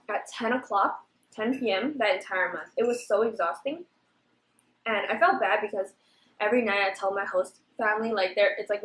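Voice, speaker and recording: A woman's voice: mid-range voice, fairly bright tone. A young woman chatting casually in an eating vlog, bubbly and talkative, filling her speech with "like". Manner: bubbly, chatty, says "like" often. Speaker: vlogger. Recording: echoey room.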